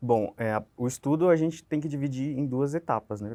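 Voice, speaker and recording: Speaking at a moderate pace, a man uses a fairly high pitch with a dark, mellow tone and ordinary pitch variation. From interior of São Paulo state, Brazil. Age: 20s. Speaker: recent law graduate who passed the bar exam. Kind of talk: interview. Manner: hesitant, many fillers and repetitions.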